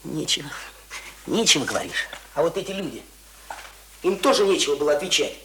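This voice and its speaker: An actor in a radio play playing an earnest, argumentative young village student who lectures insistently and colloquially. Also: male voice, on the high side, sing-song, fairly quick, pushed and bright, a little hiss or hum. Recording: roomy, echoing radio drama recording.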